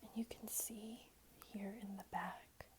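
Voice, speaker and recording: A woman whispers softly through an ASMR tutorial at a slow, gentle pace. Her voice is all breath, with no voicing. There is clear background noise with small clicks around her. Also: mid-range voice, fairly even intonation. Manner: gentle, unhurried explaining. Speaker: ASMR creator giving a wig styling tutorial. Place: small room at home, indoors.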